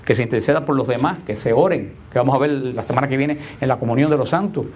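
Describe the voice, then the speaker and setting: A man preaching a Catholic homily, stressing points with repeated rhetorical questions and alternating slow emphasis with quick asides. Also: mid-range voice, darkish tone, slight background noise.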